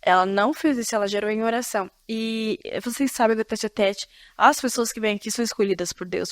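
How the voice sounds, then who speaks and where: A woman pastor from Florianópolis hosts a faith podcast in a lively, expressive way, laughing often and turning to her listeners. Her voice sits a little high. The recording is dry and close. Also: no echo. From Florianópolis, Brazil. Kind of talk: casual faith-based podcast conversation.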